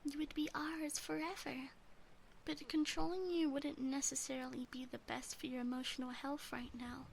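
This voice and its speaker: In an ASMR roleplay, a woman plays a teasing, obsessive yandere demon sister, gently doting and possessive. Her voice is high-pitched and breathy, often whispering, with a level tone and moderate pace. A faint hiss or hum sits in the background.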